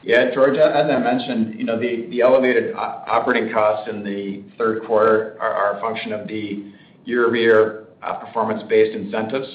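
A man answering questions as a company executive on a conference call, in a stiff, halting, careful corporate way. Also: on the low side, level tone. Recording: dull, echoey speakerphone conference call.

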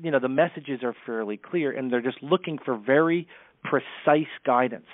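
A man speaking as a speech coach, brisk and candid in his advice. His voice comes through a thin, tinny line that sounds phone-like. The sound is dry and close, with no room around it. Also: medium pitch, dry recording. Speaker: communication coach. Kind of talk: podcast interview.

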